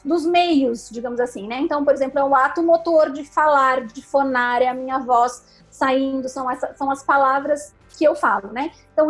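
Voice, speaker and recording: A woman with a high voice explains things patiently and step by step, as a speech therapist guest. She often checks in with a quick "né?". Soft music plays faintly underneath. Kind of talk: explanatory interview answers.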